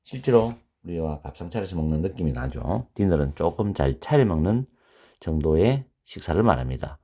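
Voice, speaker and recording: A man teaching beginner English grammar, explaining slowly and repeating example sentences in a lecture style. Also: deep voice, very animated, warm tone.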